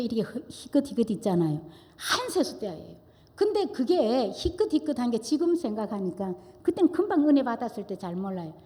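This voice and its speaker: Woman preacher, mellow voice, long church reverb. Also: fairly high pitch. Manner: emotional storytelling, swings from hushed to loud. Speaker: guest preacher. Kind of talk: testimony sermon. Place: church sanctuary. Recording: echoey church hall.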